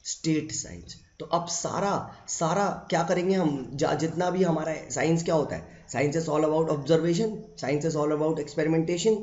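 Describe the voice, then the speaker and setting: A male teacher giving an online exam-prep lecture, mixing English phrases into Hindi, asking rhetorical questions and repeating phrases, then dropping low and quiet for the answers. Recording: echoey, dull lo-fi room recording.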